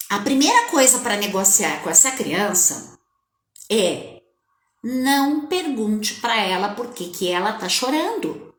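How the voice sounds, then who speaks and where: A woman parenting coach giving a casual live-stream talk, speaking straight to her viewers in a lively, conversational way. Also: mid-range voice. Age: adult with a child. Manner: animated, conversational, addresses viewers directly. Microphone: webcam or phone on a live stream. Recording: echoey room.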